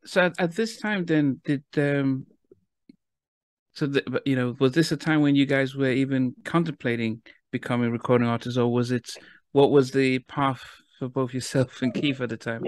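A man's voice: mid-range voice, fairly even intonation, normal speed, clean tone, no echo. A man from the UK who grew up partly in Nigeria, hosting an interview and asking questions eagerly, with frequent laughs and restarts. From UK, raised partly in Nigeria. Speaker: podcast host, interviewer.

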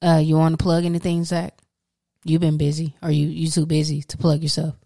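A woman's voice: low-pitched, completely flat delivery, fairly quick, creaky, dark tone. A woman hosting a casual podcast chat, blunt and teasing, laughing often between remarks. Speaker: podcast host.

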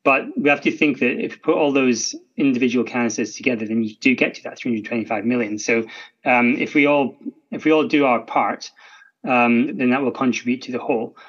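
Scottish man, mid pitch, conversational expert guest, slightly muffled lo-fi audio. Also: brisk, fairly bright tone. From Scotland. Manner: chatty, frequent "right?" tags and restarts. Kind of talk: podcast interview.

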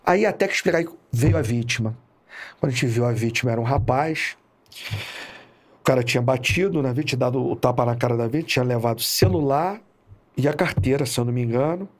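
A male police inspector from Rio casually telling a work story, animated and acting out the shouts he quotes. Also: medium pitch, fast talker.

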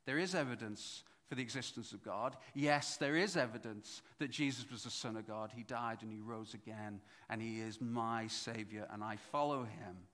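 A middle-aged man preaching a sermon as pastor, swinging from loud emphatic points to low asides. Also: moderate pace, few pauses. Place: church hall. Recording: echoey church hall.

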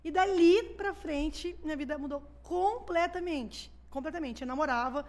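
A woman's voice: sits high, normal speed. A woman pastor with a Brazilian Portuguese accent tells her personal testimony as a podcast guest, acting out the dialogue she quotes. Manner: animated storyteller who acts out quoted dialogue.

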